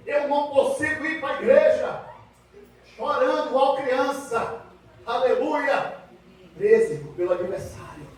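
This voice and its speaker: A very high-pitched man with a Brazilian accent delivers a fervent church sermon. He builds emphasis through repetition and frequent hallelujahs. The sound is heavily echoing and picked up from a distance. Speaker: Pentecostal preacher. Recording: very echoey hall, distant microphone.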